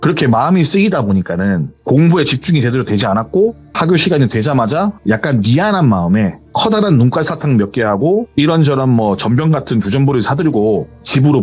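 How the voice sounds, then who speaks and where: Animated man telling a horror story. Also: mid-range voice, quick pace, slightly rough. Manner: retelling with hearsay endings, rambling and animated. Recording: muffled lo-fi with faint music.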